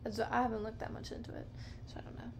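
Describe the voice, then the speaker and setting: A woman in her thirties rambles softly and slowly as the sole host of a podcast, her casual monologue dotted with fillers, recorded at night in a dim living room. Her voice is a little high with little pitch movement, and the close-up camera mic, handheld or low-standing, picks up a noisy background.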